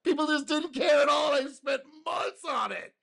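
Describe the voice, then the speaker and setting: A man hosting a casual reaction video, speaking in an animated way, laughing and acting out quotes, his voice going a little hoarse. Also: very high-pitched, moderate pace. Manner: animated, exclaims and laughs, acts out customer quotes. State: getting hoarse.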